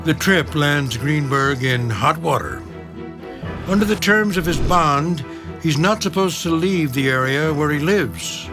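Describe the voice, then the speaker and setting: An American man with a fairly high, unhurried voice narrates a true-crime documentary in a dramatic tabloid-TV style, clearly reading from a script. Dramatic music plays behind his narration.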